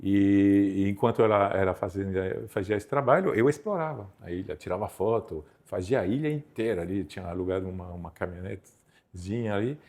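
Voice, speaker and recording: A man in his fifties from Belgium with a French-speaking Belgian accent, a photographer telling stories in a relaxed interview, with halting, self-repeating phrasing. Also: lowish voice. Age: 50s. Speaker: guest photographer. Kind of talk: casual interview storytelling.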